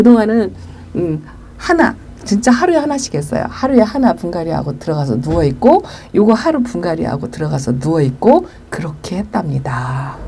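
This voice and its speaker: Speaking at a moderate pace, a woman with a fairly low pitch makes very wide pitch swings. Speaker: succulent gardening vlogger. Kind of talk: casual plant care vlog talk. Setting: home balcony.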